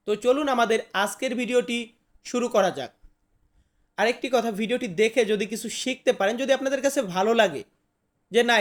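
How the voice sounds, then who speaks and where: A man teaching a language lesson, speaking slowly and going over each word again and again. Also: extremely high pitch, a bit bright. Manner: slow and repetitive, often restating the same word.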